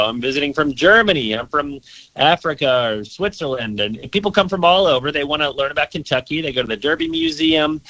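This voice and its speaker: Young male museum guide, quick-paced and eager, dry close sound. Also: on the high side, pushed and bright, no room sound, poor audio. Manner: eager, enthusiastic, repeats words when rushing. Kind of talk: interview answers.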